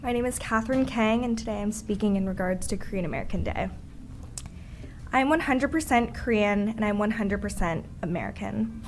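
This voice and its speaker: A woman's voice: mid-range voice, fairly quick, a little mellow, a little hiss or hum. A teenage girl from Seattle reading an earnest, formal prepared statement as public comment. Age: teens.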